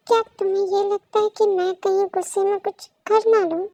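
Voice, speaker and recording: A woman's voice: very high-pitched, flat delivery, moderate pace, mellow, no room sound, low-quality recording. A woman voicing a heartbroken, crying young woman who pleads to be left alone. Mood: bitter. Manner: pleading, sobbing outbursts. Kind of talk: fan story voice acting.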